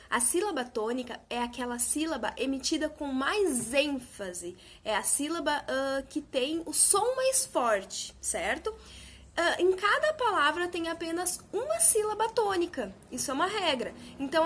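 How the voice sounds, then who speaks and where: A woman teacher with a high voice records a lesson for young pupils. She speaks patiently and draws out example words slowly, hitting the stressed syllable hard. Her tone stays simple and encouraging, aimed at children. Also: a bit bright. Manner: slow, patient, exaggerated syllable emphasis. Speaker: primary school teacher.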